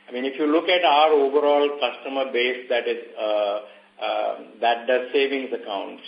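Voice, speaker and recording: A man speaking as a bank executive presenting results on a call, in a measured, halting way with pauses mid-sentence. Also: mid-range voice. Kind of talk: earnings call presentation, semi-scripted. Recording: echoey, muffled conference call audio.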